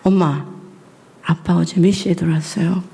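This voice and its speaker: A woman's voice: lowish voice, fairly even intonation, moderate pace, gravelly, warm tone, slightly rough, pitched below the performer's own voice, exaggerated voice. A woman acting out a grown son who pleads politely with his mother. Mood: pleading.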